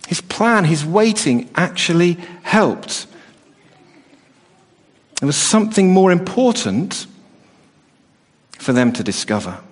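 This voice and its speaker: A man's voice: sits high, big pitch swings. Earnest man preaching in a reverberant hall. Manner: earnest, halting restarts and repeated words. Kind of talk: sermon. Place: church hall.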